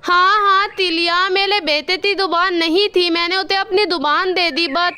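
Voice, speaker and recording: A woman's voice: extremely high pitch, steady tone, normal speed, pushed and bright. A woman voicing a kind, self-sacrificing male crow father who talks with a heavy lisp. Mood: lisping, sad. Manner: lisping baby-talk speech.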